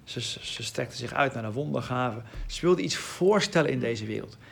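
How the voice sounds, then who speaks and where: A man's voice: medium pitch, expressive, a little fast, vocal fry, a little hiss or hum. A man giving informal Bible teaching in Dutch, reading scripture aloud and explaining it with emphasis.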